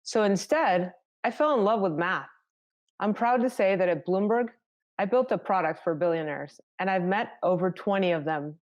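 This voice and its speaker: A woman from South Texas, a native Spanish speaker, giving a prepared conference talk in a steady storytelling manner. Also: mid-range voice, normal speed, highs cut off. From South Texas, United States.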